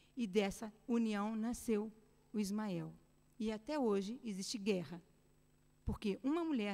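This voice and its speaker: A woman speaks with lively intonation. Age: 40s. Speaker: preacher. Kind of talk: sermon. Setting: church.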